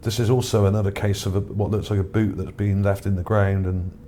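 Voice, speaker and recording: Brisk and level in tone, a fairly low, mellow male voice gives unscripted remarks on images for his video. He presents his own finds in a musing, hesitant way while background noise hums beneath.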